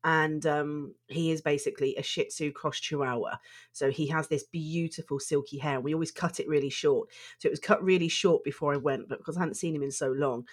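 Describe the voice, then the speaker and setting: A middle-aged woman psychotherapist hosting her own podcast, her voice congested and stuffy from allergies, talking earnestly and doubling words for emphasis. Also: low-pitched. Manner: earnest, emphatic word repeats. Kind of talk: solo podcast monologue.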